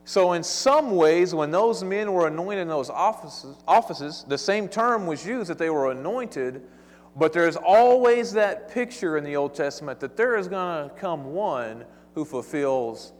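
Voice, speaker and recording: A man's voice: on the high side, expressive, unhurried. A man with an East Texas accent giving a casual, folksy sermon-style Bible lesson, talking conversationally and sometimes stumbling over his words. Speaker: Bible teacher. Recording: long hall reverb.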